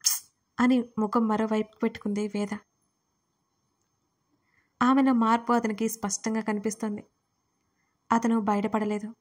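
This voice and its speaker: A woman narrating a serialized romance audio story in an even, measured reading. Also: a little high.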